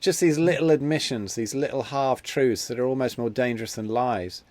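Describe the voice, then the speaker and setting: A man's voice: mid-range voice, normal speed, a little mellow, dry recording. Rambling man in a dry room. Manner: rambling, repeats words when starting a thought. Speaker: host. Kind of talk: casual video-call chat.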